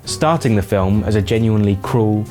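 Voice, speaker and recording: A man's voice: fairly low pitch, moderate pace, dark tone, faint music behind. A man reading scripted narration as the narrator of a video essay.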